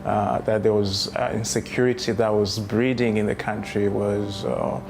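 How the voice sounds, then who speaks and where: A man in his thirties from Rwanda, recounting his life story in a reflective, unhurried way with many fillers. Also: fairly low pitch, flat delivery, creaky, darkish tone, slight background noise. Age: 30s. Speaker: memoir writer telling his life story. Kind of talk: personal testimony. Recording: music playing underneath.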